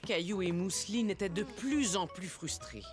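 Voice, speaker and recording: A woman performing as the gentle, expressive storyteller of a cartoon for young children. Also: mid-range voice, moderate pace, lightly acted. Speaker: narrator. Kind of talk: scripted children's story narration. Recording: music behind the voice.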